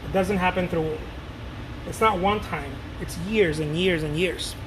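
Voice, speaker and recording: A man in his late thirties with a fairly high voice talks to camera in a loose, animated way, doubling back on his words and dropping the odd curse. A steady air-conditioning hum sits clearly under his speech. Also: unhurried. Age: 30s. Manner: loose and animated, repeats words, swears casually. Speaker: painter talking to his viewers. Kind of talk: casual rambling talk to camera.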